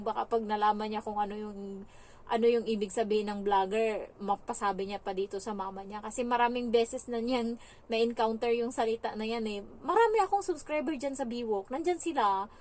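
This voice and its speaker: Young Filipina domestic helper vlogging casually, chatty and animated, voice sits a little high. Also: female voice. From Philippines. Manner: chatty, animated storytelling with fillers. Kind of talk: casual storytelling vlog.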